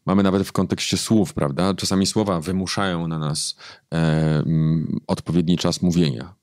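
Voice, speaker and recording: A man, a book editor, explaining his craft thoughtfully in an interview, pausing often with fillers. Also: deep voice, fairly even intonation, a little mellow, dry recording, clean studio sound. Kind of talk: interview conversation.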